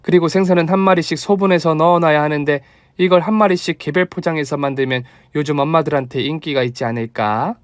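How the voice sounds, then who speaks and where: A man's voice: fairly high pitch, fairly even intonation, quick pace, no echo, studio quality, close to an everyday voice. A man voicing a thrifty, kind elderly mother-in-law who fusses and scolds affectionately. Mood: fond.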